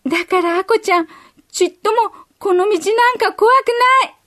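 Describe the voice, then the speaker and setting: A woman voicing a brave four-year-old girl in a storybook reading, with a high childlike voice and an earnest way of calling out. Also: normal speed, a bit bright. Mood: determined.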